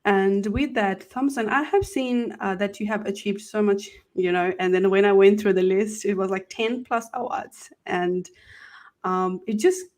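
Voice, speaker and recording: A woman's voice: medium pitch, steady tone, a little slow. Woman hosting an online interview show. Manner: warm welcoming, hesitant with fillers. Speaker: host.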